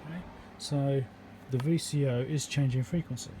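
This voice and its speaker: Guy doing a repair demo at his bench, informal and halting, talks through each step, clear hum behind him. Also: medium pitch. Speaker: electronics repair host. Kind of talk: hands-on repair demonstration, thinking aloud. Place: indoor repair workbench. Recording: steady background hum and room noise.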